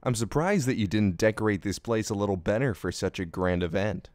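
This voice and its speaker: A man's voice: fairly low pitch, brisk, a little mellow, dry recording, studio quality, lightly acted. A man playing a bitter, sardonic, taunting character in an audio drama. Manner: sarcastic, taunting. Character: sardonic, bitter, foul-mouthed man goading a villain. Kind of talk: anime fan audio drama acting.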